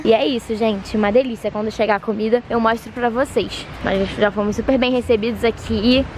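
A young woman who has nearly lost her voice talks cheerfully and fast to her viewers, pointing the camera at food and views. Her voice sits fairly high. The sound comes from a handheld camera with steady noise behind it. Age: young adult. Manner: chatty, upbeat, addresses viewers with diminutives. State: hoarse, losing her voice. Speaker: vlogger. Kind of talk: casual travel vlog to camera. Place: outdoors at a beach and on a boat, later indoors in a flat. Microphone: handheld camera at arm's length. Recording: noisy handheld camera audio.

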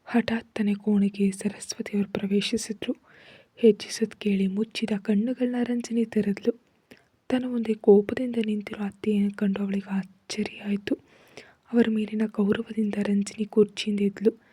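A woman narrating a dramatic family story in a soft, steady whisper. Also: mid-range voice, moderate pace, husky, no room sound.

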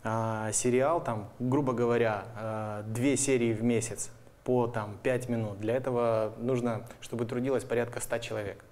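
A man in his thirties being interviewed as a guest, explaining things in a halting way with hesitant pauses. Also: mid-range voice, fairly even intonation, a little mellow. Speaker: guest, animation studio representative. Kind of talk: studio interview, explaining plans. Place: indoor TV studio. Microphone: lapel mic.

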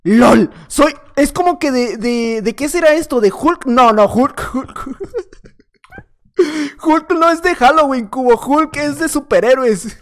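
A young man giving excitable gameplay commentary at home, chatting nonstop, repeating words and breaking into shouts. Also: very high voice, slow pace. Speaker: gaming YouTuber. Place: at home at night.

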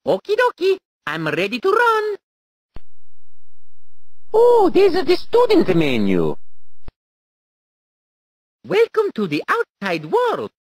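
A woman's voice: very high-pitched, huge pitch swings, slow pace, pauses often, dry recording, full character voice. A woman voicing a cheerful adult male Italian plumber hero in a video game, with an exaggerated Italian accent and a playful, exclamatory manner.

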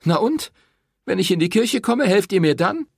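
A man voicing a fiery, proud young Sicilian woman in an audiobook, raising his voice high and defiant. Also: sing-song, normal speed, vocal fry, husky, no room sound, clean studio sound, full character voice. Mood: bitter. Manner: shouting, defiant, raised high voice. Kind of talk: audiobook character voice.

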